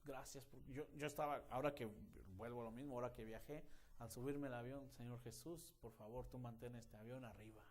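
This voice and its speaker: A man's voice: mid-range voice, gravelly. A middle-aged male pastor preaching a sermon in a church, speaking emphatically and raising his voice when he urges the congregation. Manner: emphatic preaching, voice rising on exhortations.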